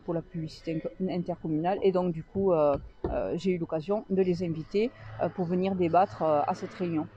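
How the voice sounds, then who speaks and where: A woman answers interview questions in a mellow, warm tone, stopping often on filler sounds as she gathers her thoughts. The recording is dull and lo-fi, and her pitch sits in the middle of the usual range. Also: steady tone, slightly rough. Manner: hesitant, many filler pauses. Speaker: local association organizer. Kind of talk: radio interview.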